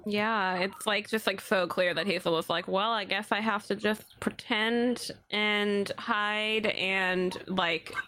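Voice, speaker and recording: A woman's voice: medium pitch, steady tone, slow pace, few pauses, bright, forceful tone, a little hiss or hum. A woman co-hosting a casual recap discussion, analytical and conversational, peppering her sentences with "like". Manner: analytical, conversational, heavy use of "like". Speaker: podcast host.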